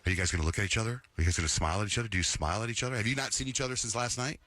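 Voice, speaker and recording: A man hosting a radio show, teasing a guest with quick casual questions in the studio. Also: on the low side, pushed and bright, no echo. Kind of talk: casual on-air interview banter.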